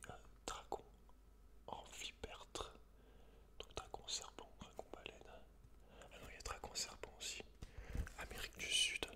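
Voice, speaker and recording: Slow whispering male ASMR host. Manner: soft, hushed, intimate address to one listener. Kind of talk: whispered ASMR, chatting and reading a book aloud.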